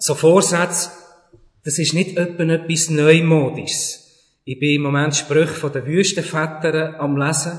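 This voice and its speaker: Amid audible room echo, a man speaks at a fairly slow pace with a fairly high pitch and fairly even intonation. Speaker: pastor. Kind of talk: sermon.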